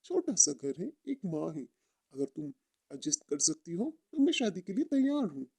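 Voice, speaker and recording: A woman's voice: fairly low pitch, very animated, moderate pace, a little mellow, husky, dry recording, clean studio sound, pitched below the performer's own voice, full character voice. A woman voicing a poor but proud young man in love, speaking plainly and sincerely in a story. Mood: earnest.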